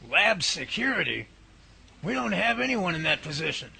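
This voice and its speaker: A man playing a professor who calmly reasons things out and takes charge, in an amateur radio drama. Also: high-pitched, moderate pace, creaky, full character voice. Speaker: professor leading a research lab. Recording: noisy amateur recording.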